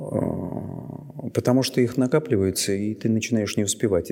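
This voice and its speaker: A man's fairly low voice, fairly even in intonation, at a fairly slow pace. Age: 60s. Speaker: Orthodox priest. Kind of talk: interview. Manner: halting.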